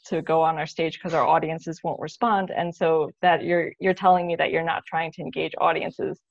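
A woman's voice: low voice, level tone, normal speed, creaky, dry recording. An American woman in her thirties from Brooklyn, talking candidly as a panel guest in a roundtable over a video call. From Brooklyn, New York. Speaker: theatre maker and panel guest. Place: bright living room at home. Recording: slightly dull video-call audio.

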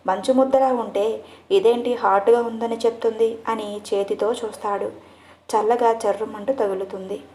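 A woman narrating a romance story in a lively, expressive reading. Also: on the high side, normal speed, slight background noise. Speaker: audiobook narrator. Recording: echoey room.

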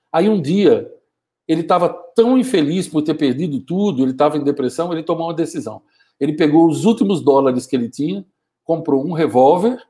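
A man in his fifties giving a forceful, scolding motivational talk on a live stream, using an earphone mic in a small home studio. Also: a little high. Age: 50s. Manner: forceful, scolding, gestures a lot. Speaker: motivational speaker. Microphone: wired earphone mic, webcam framing.

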